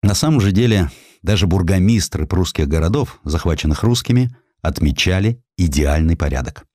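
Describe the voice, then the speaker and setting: Low male voice narrating history, super animated and dramatic, dry close sound. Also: moderate pace, no echo. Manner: expressive, emphatic storytelling delivery. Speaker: audiobook narrator.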